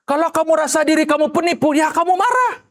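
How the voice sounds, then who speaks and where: A man preaching a sermon as pastor, animated, firing rhetorical questions and acting out quoted voices. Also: very high voice, fast talker.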